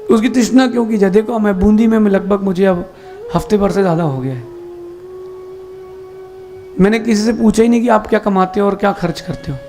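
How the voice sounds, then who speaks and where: Man giving a jain sermon, fairly high voice, asks lots of rhetorical questions. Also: dark tone, faint music behind. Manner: rhetorical questions, slow emphatic teaching with examples. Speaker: Jain monk.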